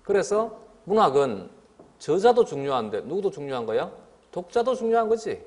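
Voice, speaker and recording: A middle-aged man giving a biology lecture to students. He scolds them, keeps asking if they understand, and sometimes mimics them in a higher voice. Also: normal speed. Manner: lively and scolding, often asks "알겠지?". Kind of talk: classroom lecture.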